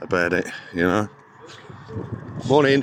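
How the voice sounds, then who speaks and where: Noticeable background noise sits behind this recording. A man speaks at a fairly slow pace. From East End of London. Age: 60s. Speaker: vlogger. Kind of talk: casual vlog monologue. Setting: outdoors, walking to work. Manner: hesitant, many filler words.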